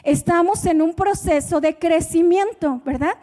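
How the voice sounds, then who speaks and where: High, mellow Mexican woman preaching. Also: measured pace. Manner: conversational, asks the congregation questions. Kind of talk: sermon. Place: church. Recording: church hall with long reverb.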